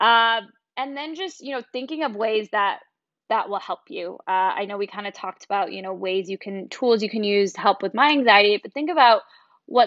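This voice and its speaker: Lively intonation and big swings in loudness mark an unremarkable speaking voice moving at a moderate pace. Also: woman. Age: 20s. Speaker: podcast host. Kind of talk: solo podcast talk.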